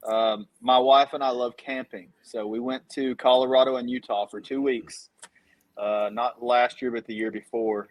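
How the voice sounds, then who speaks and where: A man's voice: mid-range voice, steady tone, moderate pace. A man, chatting as a podcast guest and telling stories in a laid-back way. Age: 30s. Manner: laid-back storytelling, frequent laughs. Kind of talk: casual chat.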